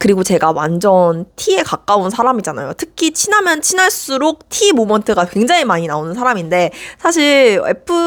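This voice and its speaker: Over noticeable background noise, a woman speaks at a moderate pace with hardly any pauses. Her fairly high pitch swings very widely. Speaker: YouTuber. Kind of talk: casual vlog talk. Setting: talking to camera.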